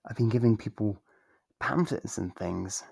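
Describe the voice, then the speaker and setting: A performer acts out an obsessive, lovestruck cult worshipper in an ASMR roleplay, earnest and theatrical. The voice is soft and husky with gravelly creak, and it moves at a slow, hesitant pace. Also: mid-range voice, no echo, clean studio sound. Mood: earnest, scheming. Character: devoted, nervous, lovestruck young cultist worshipper, obsessive and earnest. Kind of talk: ASMR audio roleplay, dramatic monologue.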